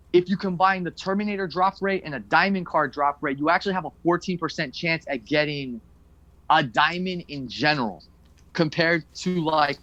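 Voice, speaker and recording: A man's voice: fairly high pitch, fairly bright tone, no echo, lo-fi sound. A man hosting a podcast, talking casually in a rambling, loose way with fillers and the odd swear word. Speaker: podcast host.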